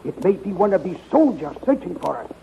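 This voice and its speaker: High-voiced, cautious radio scientist. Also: male voice, very animated, vocal fry, exaggerated voice. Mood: cautious, urgent. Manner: deliberate, formal, authoritative. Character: brisk, cautious male scientist mentoring a young hero. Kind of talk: 1930s radio serial acting. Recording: dull, noisy 1930s radio recording.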